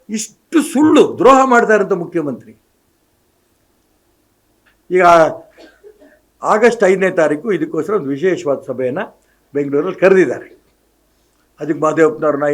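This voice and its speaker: Emphatic man giving a press statement. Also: fairly high pitch. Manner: emphatic, accusatory. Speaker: politician.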